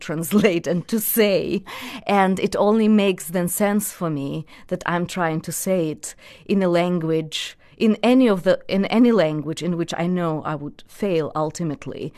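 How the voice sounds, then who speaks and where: Woman in her 40s, lowish voice, thoughtful, laughs a bit. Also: darkish tone. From Belarus. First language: Russian. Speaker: guest poet. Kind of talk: podcast interview.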